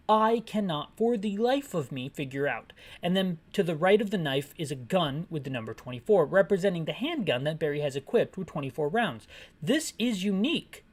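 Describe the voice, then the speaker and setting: A man's voice: fairly high pitch, darkish tone. A man describing a video game screen aloud in a loose, digressive way. He wanders off into jokes and asides, then comes back to the details. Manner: rambling, digressive and jokey. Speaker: gaming channel host. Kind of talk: descriptive audio commentary of a game.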